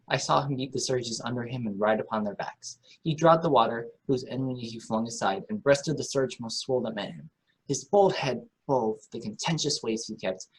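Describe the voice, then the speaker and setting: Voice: mid-range voice, breathy edge, close to an everyday voice, poor audio. A performer reading a kindly, talkative, optimistic old courtier in a Shakespeare radio play, with earnest, wordy delivery. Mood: reassuring.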